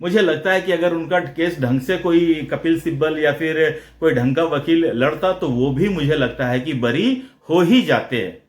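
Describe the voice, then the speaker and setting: A man's voice: a little high, unhurried, few pauses, roomy sound. A man giving blunt, combative political commentary straight to his viewers, slipping English phrases into his Hindi. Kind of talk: opinionated solo commentary to viewers.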